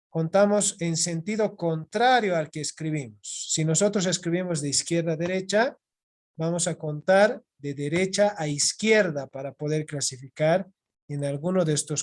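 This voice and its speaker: A patient teacher lecturing an online class over a video call microphone. The voice sits at a middle pitch. Key points come back again and again, with a quick check-in after each. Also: a little mellow. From Bolivia.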